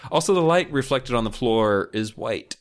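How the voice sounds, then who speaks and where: Man, mid-pitched voice, very animated intonation, casual comic banter, profane, exaggerated exasperation. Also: moderate pace. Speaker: podcast co-host. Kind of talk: casual comic chat, critiquing book covers.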